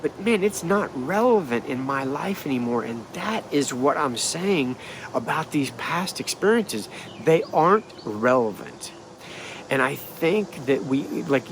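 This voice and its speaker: A man's voice: on the high side, noisy background. A middle-aged man with a stuffed-up, nasal voice, talking casually and animatedly to a camera at arm's length outdoors, rambling and restarting his sentences. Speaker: spiritual healer. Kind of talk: casual vlog monologue. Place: outdoors in a wooded yard. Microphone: phone or camera at arm's length.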